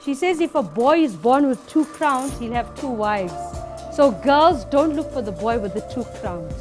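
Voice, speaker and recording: A woman teaching a reading lesson to a class, lively and playful. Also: high-pitched, moderate pace, music in the background. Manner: lively, switching to a playful storyteller persona.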